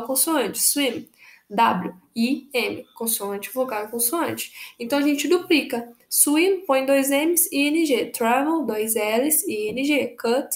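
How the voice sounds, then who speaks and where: A woman's voice: high voice, echoey room. A young Brazilian woman teaching an online English grammar lesson, patiently repeating rules and spelling out letters. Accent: Brazilian Portuguese.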